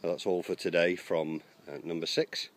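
His low voice keeps a fairly even intonation at normal speed as he wanders the garden plot talking. The narration is casual and halting, heavy on ums, recorded outdoors on a handheld camera.

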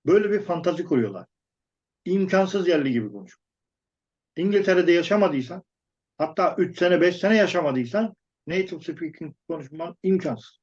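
A man's voice: high-pitched, lively intonation, brisk, a little mellow. Blunt, emphatic man, dull lo-fi sound. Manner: blunt, emphatic, restarts words often. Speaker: English teacher giving advice. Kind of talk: casual discussion.

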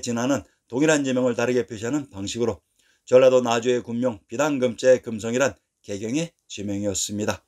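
Man reading a steady history narration. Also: mid-range voice. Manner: steady, measured reading of dates and place names. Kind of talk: scripted narration.

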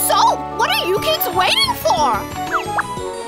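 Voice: very high voice, wildly swooping pitch, slow, exaggerated voice. An actor voicing a curious, upbeat young superhero bee in a children's cartoon. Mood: excited. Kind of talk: animated cartoon host to children. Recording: loud children's music behind the voice.

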